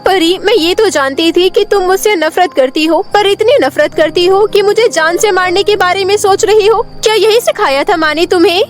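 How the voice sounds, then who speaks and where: Woman as a very high-pitched, earnest young sister. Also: normal speed, few pauses. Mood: hurt. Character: kind, earnest young elder sister, easily dismayed. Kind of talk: cartoon fairy-tale character acting.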